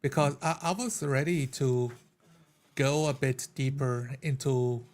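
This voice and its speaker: A man's voice: medium pitch, measured pace, a little mellow. A man talking casually as a player in a discussion about tabletop roleplaying.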